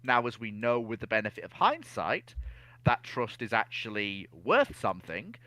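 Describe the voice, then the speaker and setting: A man giving conversational historical analysis in a measured, explanatory manner. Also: on the low side, sing-song, pushed and bright, poor audio. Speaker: naval history discussion panelist.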